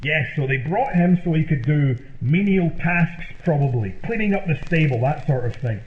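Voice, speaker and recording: A man's voice: a little high, expressive, moderate pace. A man performing an old-time radio comedy sketch, explaining earnestly and with indignation. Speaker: comedy show host performer. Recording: narrow tinny, roomy, faintly noisy radio sound.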